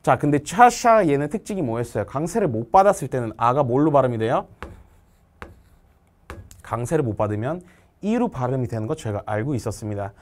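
A male language teacher explaining exam answers step by step, asking questions and answering them himself, and reading example sentences slowly. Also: medium pitch, very animated. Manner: reads Russian example sentences slowly and clearly.

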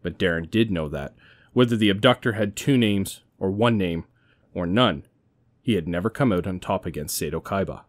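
A man's voice: deep voice, moderate pace, no room sound, studio quality. A man giving a dramatic scripted narration as the narrator of an audio story.

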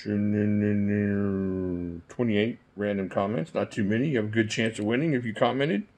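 A man's voice: fairly low pitch, unhurried, darkish tone. A man talking casually and informally as the host of a giveaway video, recorded indoors from behind the camera. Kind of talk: casual giveaway vlog talk.

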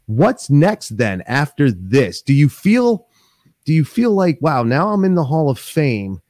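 A man's voice: fairly high pitch, measured pace, dry recording. Rambling man hosting a podcast. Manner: rambling, animated, lots of fillers and restarts. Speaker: podcast host. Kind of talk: casual interview chat. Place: small home office. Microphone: desk microphone on stand.

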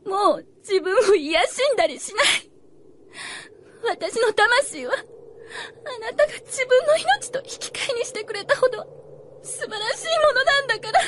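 An actress playing a tender, grieving young woman in love in a radio drama, speaking softly and with deep emotion. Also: lively intonation, normal speed, background noise. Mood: tearful resolve. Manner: soft, emotional. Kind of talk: Japanese fantasy radio drama acting.

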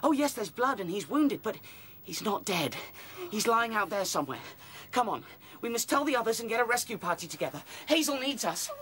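Earnest young rabbit seer, high-voiced. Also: male voice, big pitch swings, a little fast, few pauses. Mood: insistent. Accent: British. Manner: earnest, intense. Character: anxious, visionary young male rabbit. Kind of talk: radio drama acting.

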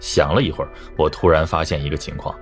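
Very deep-voiced male audiobook narrator. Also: fairly even intonation, fast, creaky. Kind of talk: scripted first-person crime novel narration. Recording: music under the voice. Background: background music.

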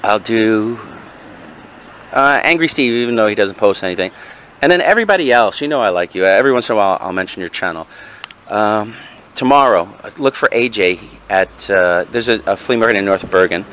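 A rambling, self-deprecating man with a somewhat low voice talks through his bargain finds, stumbling over fillers. His camera picks up faint background noise. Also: expressive, fairly quick, a bit bright. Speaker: reseller vlogger. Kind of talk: casual show-and-tell. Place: outdoor patio, then in a car.

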